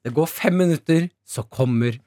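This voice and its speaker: A man with an Oslo Norwegian accent, co-hosting morning radio and telling an animated story full of acted quotes and laughter. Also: fairly high pitch, no echo, studio quality. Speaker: radio co-host.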